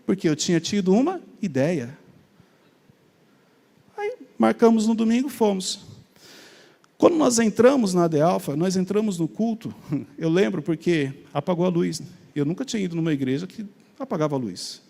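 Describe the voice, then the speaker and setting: A middle-aged Brazilian man telling his personal faith testimony in an animated storytelling way, acting out remembered conversations. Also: high voice, normal speed, vocal fry, pauses often, big-room sound. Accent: Brazilian Portuguese. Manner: animated, acts out remembered dialogue. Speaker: speaker sharing a faith testimony.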